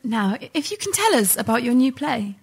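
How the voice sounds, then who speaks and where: A woman's voice: fairly high pitch, very animated, normal speed, exaggerated voice. A woman playing a probing radio host. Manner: crisp interviewer delivery, pushing the guest. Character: female radio host of a local talk show, brisk and probing. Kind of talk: comedy radio sketch.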